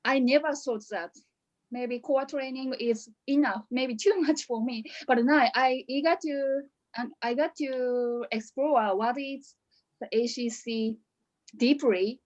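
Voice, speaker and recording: A woman's voice: high voice, slow, highs cut off. A woman from Japan with a Japanese accent, giving a hesitant graduation speech with many restarts over a video call. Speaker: coaching graduate.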